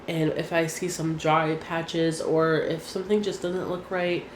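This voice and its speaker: A young woman with a fairly low, nasal voice from a recent cold chats easily about her things, her talk full of "like". She is recorded in an echoey room with a faint hum behind her. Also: flat delivery, a little slow. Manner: chatty, frequent "like" fillers. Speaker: beauty vlogger. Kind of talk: casual chat.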